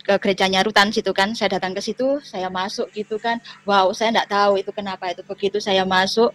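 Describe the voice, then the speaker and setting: A woman with a Javanese accent and a medium-pitched voice shares a personal testimony over a video call, telling her story chattily with lots of fillers.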